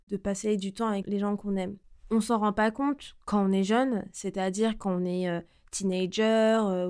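A woman's voice: medium pitch, darkish tone. A woman in her late twenties hosting a casual solo podcast, talking hesitantly with many fillers and restarts and dropping in English words. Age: late 20s. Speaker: podcast host.

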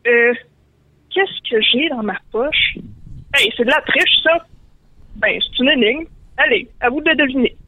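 A timid little hobbit who stammers and hesitates, played by a woman with a Quebec French accent. The voice sits higher than her own. It comes through a dry, tinny phone line. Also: unhurried, pauses often, no room sound. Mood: sly.

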